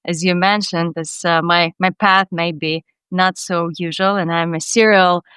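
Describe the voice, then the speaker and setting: A woman's voice: on the low side, flat delivery, measured pace, fairly bright tone, clean tone, no room sound. A Ukrainian woman with a Ukrainian accent, a startup CEO being interviewed on a podcast, talking earnestly and dreamily with frequent restarts. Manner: earnest, dreamy, many restarts, light non-native grammar.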